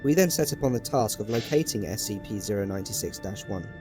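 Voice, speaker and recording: A man as a calm, deliberate scientist. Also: lowish voice. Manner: slow, deliberate, formal report. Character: composed, deliberate male scientist. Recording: music playing underneath.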